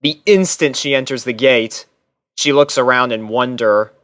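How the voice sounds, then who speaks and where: Man narrating a story, low and dry. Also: measured pace, fairly bright tone, no echo. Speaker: narrator and reader. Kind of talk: scripted first-person story narration.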